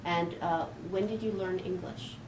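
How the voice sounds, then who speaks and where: A woman's voice: fairly low pitch, steady tone, measured pace, roomy sound, background noise. A woman interviewing a student, asking casual questions and giving encouraging acknowledgements.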